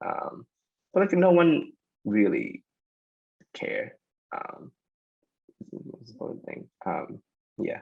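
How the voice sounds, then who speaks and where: Very slow delivery from a man, loudness rising and falling sharply, long pauses coming often. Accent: slight non-native. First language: not English. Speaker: student panelist. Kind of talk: panel discussion. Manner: halting.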